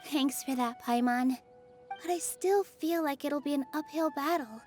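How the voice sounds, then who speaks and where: An actress voicing an earnest young woman dancer in a game, talking gently and sincerely, nervous but trying to be brave. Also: high-pitched, measured pace, faint music behind.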